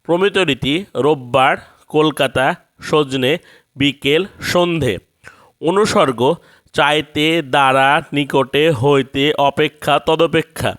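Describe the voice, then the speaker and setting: A man narrating a scripted grammar lesson, reading out word lists one by one in a measured way. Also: a little high, a bit bright. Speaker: grammar teacher.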